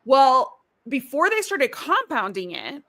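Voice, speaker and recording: A middle-aged woman from Ecuador talks in a relaxed, rambling way on a video call, stacking little asides and fillers. Her voice is bright and forceful and sits a little high. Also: takes it slowly. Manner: chatty, many fillers and asides. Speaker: podcast host. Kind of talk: casual live-stream chat.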